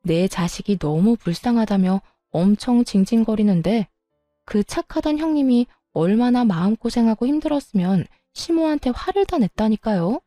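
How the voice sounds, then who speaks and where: A woman's voice: fairly high pitch, expressive, moderate pace, mellow, dry recording, studio quality, soft background music. A young woman narrating her own family story in a confiding, gossipy way.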